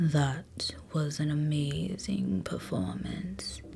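A put-on character voice speaks at a very slow pace. Light background noise sits behind it. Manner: creepy.

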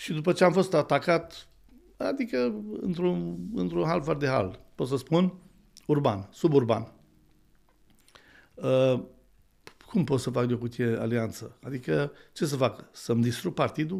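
Over a quiet background, a man speaks at a very slow pace, with very wide pitch swings and long, frequent pauses. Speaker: candidate. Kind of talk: interview answer. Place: studio. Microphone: studio mic.

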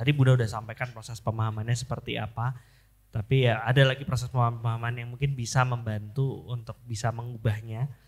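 Somewhat breathy and monotone, a man speaks at a very fast pace with flat intonation. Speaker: talk show co-host. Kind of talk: talk show discussion. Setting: stage with audience. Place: stage. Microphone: handheld.

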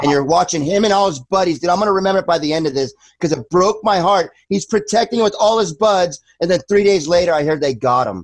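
A man speaks with high pitch at a very fast pace. His pitch varies in an ordinary way over a quiet background. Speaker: former pro skateboarder; podcast guest. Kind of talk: casual chat. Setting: video call. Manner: animated. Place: home room. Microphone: video call.

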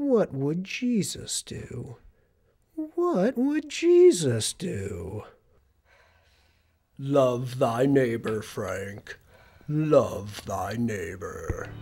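Very slowly and with long, frequent pauses, a man talks at a fairly high pitch, his loudness swinging widely. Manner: boastful, pleading.

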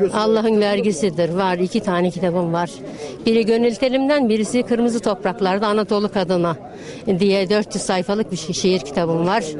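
A woman speaks at a medium pitch and a moderate pace, with ordinary pitch variation and very even loudness, in a dry sound with no echo while crowd noise carries in the background. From Hançalar, Çal, Denizli, Turkey; Turkey. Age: 60s. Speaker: poet and housewife; poet. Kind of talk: vox pop interview; interview answer. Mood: proud, earnest. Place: street.

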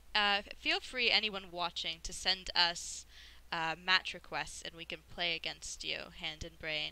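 A woman's bright, sharp voice at a very slow pace, with big swings in loudness and a dry sound with no echo. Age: 20s. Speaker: chess streamer. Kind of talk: casual chat. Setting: live stream. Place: home room. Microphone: headset.

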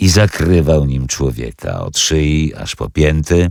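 This man speaks at a very slow pace in a very deep, low voice. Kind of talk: dramatic audiobook narration of a eerie rural tale.

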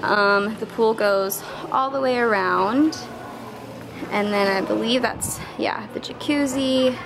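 A woman's fairly high voice with an American accent, ordinary pitch variation and a very slow pace, over noticeable background noise. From US, with teen years in the Philippines. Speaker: travel vlogger. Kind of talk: casual vlog narration. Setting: outdoors on the beach. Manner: animated. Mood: reflective, warm.

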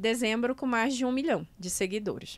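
A woman is speaking. Her voice is fairly high. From Brazil, interior of Pará. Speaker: podcast host, physician specializing in nutrition and weight loss; podcast host. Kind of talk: casual interview chat. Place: studio. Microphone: studio mic.

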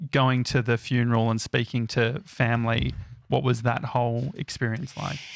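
With an Australian accent, a man talks at a moderate pace and medium pitch, his intonation fairly even. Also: quiet background, dry sound with no echo. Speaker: podcast host. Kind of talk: casual chat. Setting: studio. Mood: gentle, empathetic. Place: studio. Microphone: studio mic.

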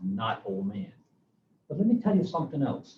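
With a dark, mellow tone and a somewhat breathy quality, a man talks at a moderate pace using lively intonation. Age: 70s. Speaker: town councilor. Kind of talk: meeting discussion.

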